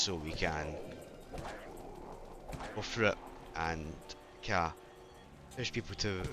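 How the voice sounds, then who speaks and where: A man hosting a gaming channel, chatting casually over gameplay with a sore, failing throat, rambling and apologetic, often correcting himself. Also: deep voice. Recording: game music playing behind.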